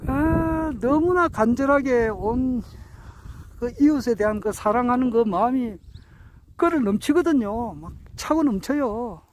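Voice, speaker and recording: High-voiced older man, hesitant and earnest. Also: a little mellow, a little hiss or hum, rough recording. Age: 60s. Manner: hesitant, many drawn-out fillers and restarts; earnest, self-correcting while counting out years. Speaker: speaker sharing reflections on his teachers. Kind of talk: reflective spoken talk.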